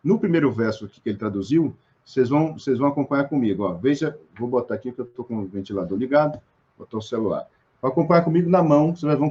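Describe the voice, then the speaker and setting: A man's voice: medium pitch, dark tone, muffled recording. A Brazilian man speaking as an interview guest, explaining poetry with many restarts and fillers. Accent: Brazilian Portuguese.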